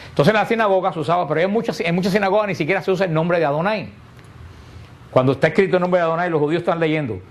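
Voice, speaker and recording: A man with a somewhat high voice leads a catechesis class. He explains patiently, often stopping to throw a question at his listeners before he answers it himself. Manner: explanatory, asks rhetorical questions and answers them. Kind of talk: catechesis lesson to a group.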